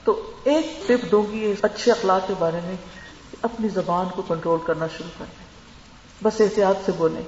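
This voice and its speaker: A woman's voice: medium pitch, darkish tone, slight background noise. A woman giving an earnest religious lecture, advising her listeners and mixing in English words. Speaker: religious teacher. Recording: echoey hall, dull lo-fi sound.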